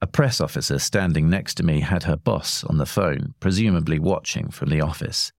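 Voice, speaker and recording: A man narrating a short story in a measured, wry way. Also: extremely low pitch, creaky, dry recording, studio quality.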